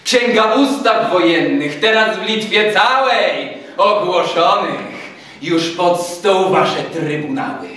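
A man playing a loud, mocking army major in a stage recitation of epic verse, shouting and laughing, in an echoey hall from far off. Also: sits high, slow, pitched above the performer's own voice, heavily acted. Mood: menacing. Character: boisterous bullying male army major. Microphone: far room mic.

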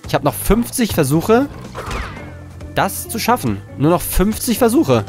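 A man giving live gameplay commentary as a let's play host, frustrated, swearing and talking himself calm, indoors at a desk. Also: high-pitched, measured pace, faint music behind.

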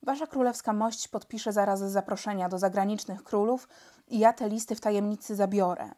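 A woman's voice: mid-range voice, fairly even intonation, fairly quick, lightly acted. A woman reading a storybook, voicing a courteous, mild-mannered male spy chief. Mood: persuasive. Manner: mild, courteous, gentle-spoken. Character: elegant polite male spy chief, calm.

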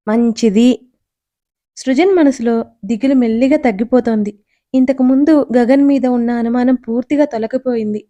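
A woman storyteller reading a romantic audio story in a calm, even way. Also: sits high, a little fast, dull audio. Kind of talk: scripted story narration.

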